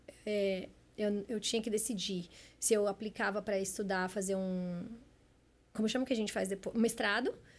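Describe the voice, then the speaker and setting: At a fairly quick pace, a woman speaks with a fairly high pitch and ordinary pitch variation, in a very clean recording with a silent background. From Brazil. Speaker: physiotherapist. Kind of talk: interview.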